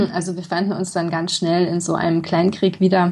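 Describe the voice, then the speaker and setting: This woman's voice is somewhat breathy and fairly low in pitch. She keeps a moderate pace. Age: 30s. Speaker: blogger and hypnobirthing coach. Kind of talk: interview. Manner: hesitant, many fillers.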